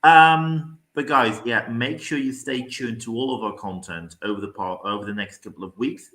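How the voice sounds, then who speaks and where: A man's voice: mid-range voice, normal speed, a bit bright, reverberant. A man from the Netherlands with a Dutch accent, co-hosting a livestream over a video call, upbeat and talking straight to viewers. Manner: upbeat, rambling, addresses viewers directly. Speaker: co-host of a livestream. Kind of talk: casual livestream chat.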